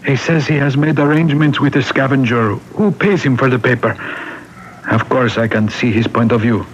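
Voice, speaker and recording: An actor playing a courteous, earnest Catholic priest in an old-time radio mystery, gently hesitant and deferential, on a muffled vintage broadcast. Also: male voice, medium pitch, steady tone, normal speed, slight background noise, natural voice. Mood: thoughtful, troubled.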